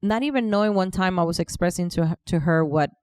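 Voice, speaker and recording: A woman's voice: lowish voice, fast, a little mellow, smooth, no room sound, clean studio sound. A woman in her forties with a Cuban Spanish accent and Spanish as her first language, chatting as a podcast guest. She talks freely, often restarts her sentences and laughs easily. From Cuba. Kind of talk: casual interview conversation.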